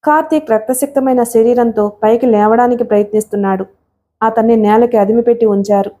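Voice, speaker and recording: A woman narrating a dramatic novel in a steady, expressive storytelling voice. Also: fairly high pitch, brisk. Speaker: audiobook narrator.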